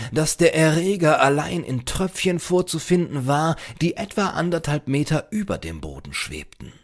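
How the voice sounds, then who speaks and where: A man's voice: medium pitch, pitched above the performer's own voice. A man voicing a preachy, self-certain old librarian in a storybook, with a pompous, archaic, lecturing manner.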